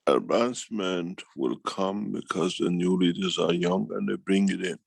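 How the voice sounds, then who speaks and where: A man giving an unscripted answer in a meeting, halting yet emphatic, often repeating phrases for weight. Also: low voice, gravelly, no echo. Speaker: foundation speaker answering questions. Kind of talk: unscripted talk, answering a question in an online meeting.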